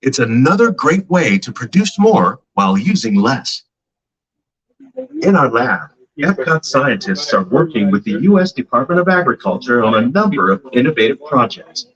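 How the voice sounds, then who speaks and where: A man giving polished, upbeat scripted ride narration, played as a recording over an outdoor boat-ride loudspeaker. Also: mid-range voice, sing-song, moderate pace. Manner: polished, upbeat announcer delivery. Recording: muffled, distant loudspeaker heard from a boat.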